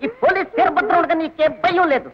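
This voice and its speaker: A fast-talking, bossy village policeman. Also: very high-pitched. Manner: brisk, teasing and bossy. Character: bossy, talkative male village police constable. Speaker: police constable. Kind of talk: comic film acting. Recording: lo-fi old film soundtrack, crowd behind.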